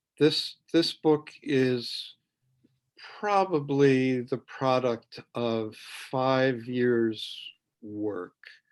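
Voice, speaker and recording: A man with an American accent speaks at a very slow pace, leaving long, frequent pauses. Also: medium pitch for a man, ordinary pitch variation. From US Midwest, Minneapolis area. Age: 60s. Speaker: novelist. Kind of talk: author interview. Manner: halting, with many fillers.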